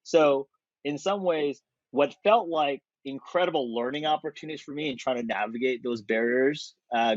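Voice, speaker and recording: A man in his thirties from South Korea, a podcast guest talking thoughtfully and with energy, pausing on fillers. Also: mid-range voice, no room sound. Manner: thoughtful, animated, with frequent fillers and laughs. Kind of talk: conversational interview. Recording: dry, slightly dull podcast audio.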